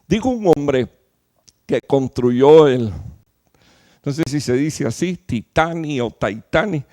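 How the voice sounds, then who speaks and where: A man preaching a sermon to his church, emphatic, with rhetorical questions and sudden loud peaks followed by low, quiet drops. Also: animated, slow. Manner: fillers and restarts while explaining. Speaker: pastor.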